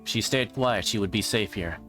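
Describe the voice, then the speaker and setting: A man's voice: fairly low pitch, a little fast, pushed and bright, faint music behind. A man reading a visual novel's narration aloud on a livestream, in a storytelling style. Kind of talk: dramatic read-aloud narration of a game script.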